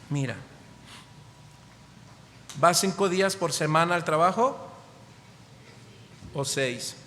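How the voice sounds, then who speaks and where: A man's voice: a little high, bright, forceful tone, slight background noise. A man with a Mexican Spanish accent preaching a sermon as pastor, asking the congregation rhetorical questions with emphatic rises. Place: church hall. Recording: long church hall reverb.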